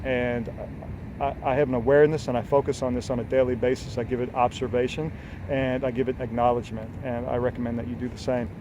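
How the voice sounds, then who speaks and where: A man's voice: mid-range voice, little pitch movement, fast. Forties guy coaching on health, earnest and rambly, swears a bit, lots of traffic noise behind him. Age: 40s. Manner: earnest, rambling, frequent "uh" and restarts, casual swearing. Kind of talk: unscripted motivational talk to camera.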